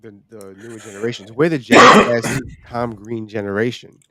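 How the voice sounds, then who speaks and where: A man's voice: medium pitch, moderate pace, bright, forceful tone. A man co-hosting a podcast, chatting casually in an informal, sweary way. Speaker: podcast co-host. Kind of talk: casual chat.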